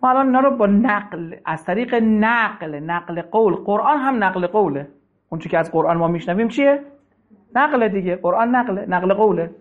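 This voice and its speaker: Male preacher, high voice, lively storyteller, slow verse recitation, phone-thin sound. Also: phone-quality sound. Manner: animated storyteller, recites verses slowly and measuredly. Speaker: preacher teaching Rumi's Masnavi. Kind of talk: sermon with poetry recitation.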